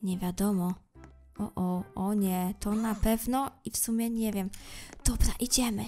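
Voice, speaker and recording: A woman commenting on a game she is playing. She speaks to her viewers, moving from hushed suspense to loud panicked shouting. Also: medium pitch, flat delivery, unhurried, soft background music. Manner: talks straight to viewers, swings from hushed suspense to screaming panic. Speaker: gameplay commentator.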